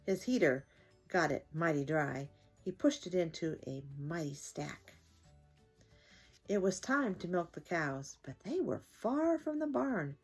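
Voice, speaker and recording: A woman's voice: fairly low pitch, animated, a little slow, breathy edge, faint music behind. An older woman hosting a children's story time, reading aloud expressively to young listeners.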